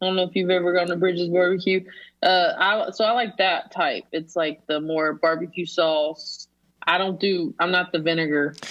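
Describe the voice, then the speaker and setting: A woman with an American accent at a moderate pace, her intonation fairly even. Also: fairly low pitch for a woman. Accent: Southern US accent, stronger at home. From North Carolina. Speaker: comedian. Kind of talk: casual chat.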